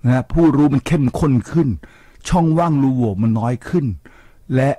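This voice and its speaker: A man's voice: mid-range voice, normal speed, no room sound. An older man hosting a radio talk show, lecturing listeners with rhetorical questions and sprinkling English words into his speech. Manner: lively, preachy, asks listeners rhetorical questions. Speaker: radio host. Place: radio studio. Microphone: studio microphone.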